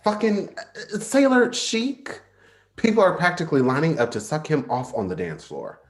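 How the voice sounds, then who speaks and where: A man's voice: a little high, sing-song, normal speed. A man playing a flirty, sardonic but insecure gay man in a staged play reading, with a teasing, dramatic delivery. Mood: animated, catty. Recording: roomy sound, faint music behind.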